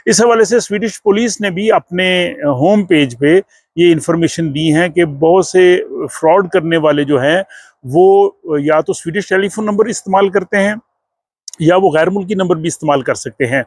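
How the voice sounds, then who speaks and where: A man's voice: high-pitched, no echo, clean studio sound. A man hosts an informational news vlog, explaining things to viewers with frequent filler phrases and hesitations. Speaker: vlog host.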